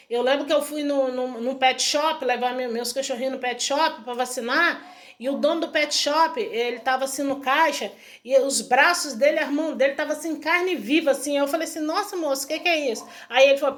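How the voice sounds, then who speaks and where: Chatty high-voiced woman vlogger. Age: adult student. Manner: chatty, repetitive, retells dialogue. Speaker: vlogger sharing a home remedy. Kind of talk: casual testimonial to camera.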